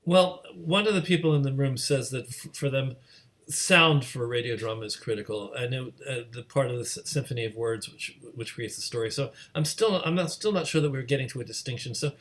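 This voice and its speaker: A man's voice: medium pitch, fairly quick, a bit bright. Man moderating, hesitant and self-deprecating. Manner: hesitant, self-deprecating, repeats words while thinking aloud. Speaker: host moderating a panel discussion. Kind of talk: informal interview conversation.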